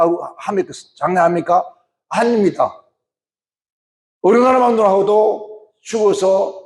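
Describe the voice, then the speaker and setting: A man's voice: high-pitched, darkish tone. A male pastor preaching a sermon, often questioning the congregation. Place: church. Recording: echoey church hall.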